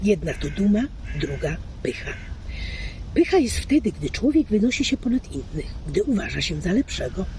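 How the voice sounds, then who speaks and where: A woman giving a formal literary reading in a deliberate, declamatory, carefully enunciated way. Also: medium pitch, very animated, a little mellow, slight background noise. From Poland. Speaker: reader, fan club member.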